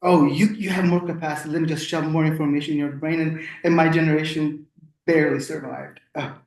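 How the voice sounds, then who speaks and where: A woman's voice: low voice, fairly even intonation, quick pace, darkish tone. A woman from Turkey, a native Turkish speaker, chatting casually at a community meeting with laughing asides and frequent fillers. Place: council meeting room. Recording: echoey meeting room from far off.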